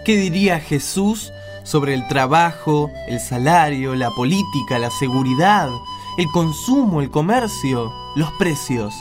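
A man's voice: a little high, animated, unhurried, over music. A man with an Argentine accent, presenting and narrating a scripted radio drama.

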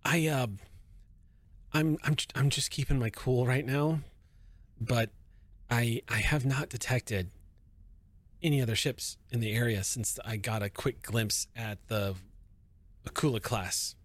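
A man's voice: mid-range voice, dry recording, natural voice. A man voicing a nervous male ship pilot who stammers and rambles anxiously.

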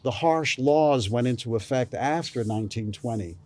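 An older man from New York recalling his childhood in a slow, rambling interview, with many fillers. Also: medium pitch, darkish tone. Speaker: author. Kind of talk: oral history interview.

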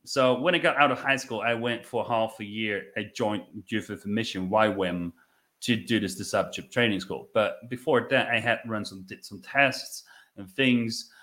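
On the low side but a bit bright, this Dutch-accented voice belongs to a thirty-something business owner from the Netherlands guesting on a podcast. He shares his story reflectively and conversationally, often halting and repeating himself.

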